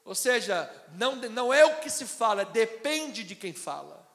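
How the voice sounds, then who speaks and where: A man from Rio de Janeiro with a Carioca accent preaches from the pulpit in a remarkably high voice. He swings between booming proclamations and soft, chatty asides. His words ring out with the long reverb of a church sanctuary. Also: sing-song, normal speed. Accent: Carioca Brazilian Portuguese. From Brazil (Rio de Janeiro). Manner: swings from loud proclamations to quiet conversational asides. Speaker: pastor. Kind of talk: sermon.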